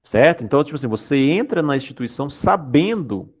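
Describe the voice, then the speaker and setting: A man's voice: on the high side, expressive, brisk, husky. A man from Goiás, Brazil, teaching an online class in an explanatory way, often checking in with his students. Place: Anápolis, Brazil.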